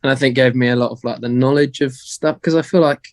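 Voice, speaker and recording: A young man from the UK chats loosely on a podcast, his voice a bit hoarse and worn, with lots of "um" and "like". He speaks in a fairly level, unvaried tone. The sound is dry and close. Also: mid-range voice, fairly even intonation, quick pace, no echo. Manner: rambling, many fillers and restarts. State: losing his voice. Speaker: guest magician. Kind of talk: casual podcast interview.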